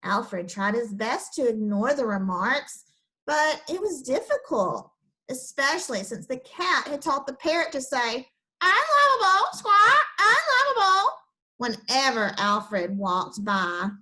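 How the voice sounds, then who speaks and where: A woman's voice: a little high, expressive, a little slow, fairly bright tone, poor audio. A woman teacher explaining a lesson step by step to children, then reading a picture book aloud.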